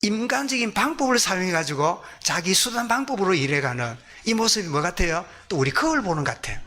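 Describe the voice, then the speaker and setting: A man with a Gyeongsang accent preaching a sermon as pastor, lively, asking the congregation questions. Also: high-pitched, quick pace. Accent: Gyeongsang Korean.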